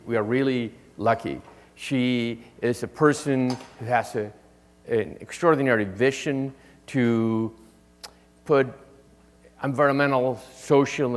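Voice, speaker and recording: A man gives an earnest, repetitive introduction of the evening's guest speaker, full of fillers. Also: mid-range voice. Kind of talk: formal introduction. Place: lecture hall. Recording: long reverb of a lecture hall.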